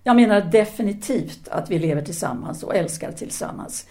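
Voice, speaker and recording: A woman's voice: medium pitch, lively intonation, dark tone, lightly acted. An actress playing a self-assured, independent-minded French woman teacher in a 1930s audio drama, speaking formally and didactically. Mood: assured, explaining. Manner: formal, articulate, didactic, with hesitant pauses.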